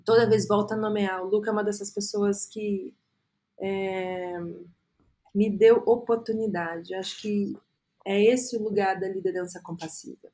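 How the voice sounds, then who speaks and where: A woman in her thirties with a Brazilian Portuguese accent, a podcast guest telling her career story earnestly and often filling pauses with "é". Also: mid-range voice, steady tone, dark tone. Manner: earnest, storytelling, frequent "é" fillers. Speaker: guest, agency co-founder. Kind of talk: reflective podcast interview.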